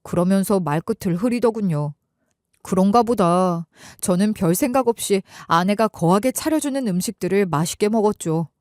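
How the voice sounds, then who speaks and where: A woman giving calm, scripted first-person story narration as a story narrator. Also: medium pitch, moderate pace, dry recording, studio quality.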